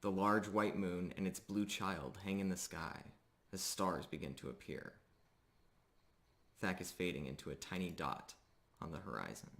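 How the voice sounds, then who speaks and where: A man working as a game master, narrating a fantasy tabletop roleplay in measured, descriptive storytelling. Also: low voice, gravelly, a bit bright.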